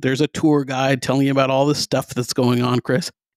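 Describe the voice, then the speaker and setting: With an American accent, a man talks at a fairly high pitch in a monotone, flat intonation, and the sound is dry and close with no echo. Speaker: podcast co-host. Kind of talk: casual chat.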